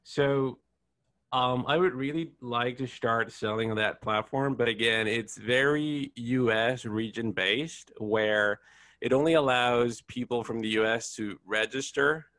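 A man's voice: mid-range voice, unhurried, fairly bright tone, dry recording. Puerto rican guy, spanish first language, kinda hesitant and polite, asking for advice on a call, dead dry audio. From Puerto Rico. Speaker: caller seeking business advice. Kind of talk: casual call conversation.

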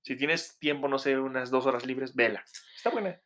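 A man's voice: medium pitch, normal speed, a bit bright. A young man with a Mexican accent co-hosting a podcast, trading joking, crude banter. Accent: Mexican Spanish. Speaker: podcast co-host. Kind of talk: casual chat.

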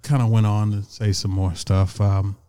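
Young male podcast host; mellow, smooth tone; easygoing, laughs often. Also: lowish voice, flat delivery, moderate pace. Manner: laid-back, chuckling, lots of fillers. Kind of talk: casual chat.

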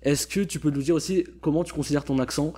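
A young man hosts a casual chat in a relaxed, chatty manner, his mellow, warm voice sitting on the high side and moving fast. He leans on fillers as he steers the conversation.

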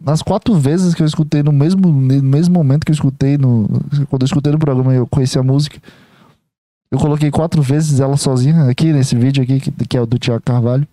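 A man's voice: mid-range voice, fairly even intonation, fast talker, mellow, no echo. A man talks in a casual reaction vlog, emotional, rambling and self-deprecating, often restarting his sentences.

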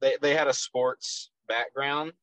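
A man's voice: mid-range voice, a little slow, no room sound, rough recording. Young Texan man, dry close sound. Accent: Texas. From Texas, USA. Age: 20s. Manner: relaxed, with frequent ums and restarts. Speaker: guest, professional soccer player. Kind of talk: casual interview answers.

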